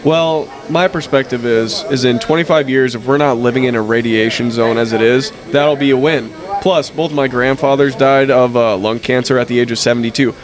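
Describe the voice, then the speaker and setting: A man with a raspy voice, hoarse from a head cold, chatting bluntly as a guest and swearing freely. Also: mid-range voice, steady tone, normal speed, hardly any pauses, music in the background. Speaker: wrestler guest. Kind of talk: casual interview chat. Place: busy tattoo expo floor. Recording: loud crowd noise around. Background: loud crowd chatter.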